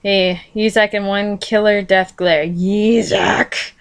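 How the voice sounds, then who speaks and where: A woman's voice: medium pitch, normal speed, fairly bright tone. A woman reading fan fiction aloud in a casual style, breaking in with informal, jokey asides and swearing. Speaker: fan fiction reader and commentator. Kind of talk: casual read-aloud with running commentary.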